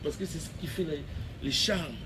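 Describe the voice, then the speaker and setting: Lively male host, high voice, noisy recording. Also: moderate pace. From Congo. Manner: animated, emphatic, laughing. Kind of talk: casual chat mixing French and Lingala. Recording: loud background noise.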